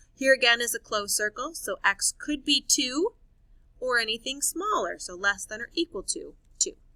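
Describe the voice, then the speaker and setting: A woman's raised, projected voice, high-pitched and bright, sharp in tone, with very wide pitch swings and big swings in loudness. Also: dry, close sound with no echo. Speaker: math teacher. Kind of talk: recorded lesson. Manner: fast.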